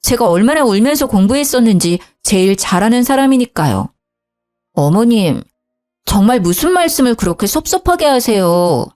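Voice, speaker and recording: A woman tells a dramatized family story in the first person, arguing back indignantly. Her voice sits fairly high and swings widely, with faint music under the narration. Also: very animated, normal speed, a little mellow. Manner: indignant, argumentative. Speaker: storyteller voicing a schoolteacher wife.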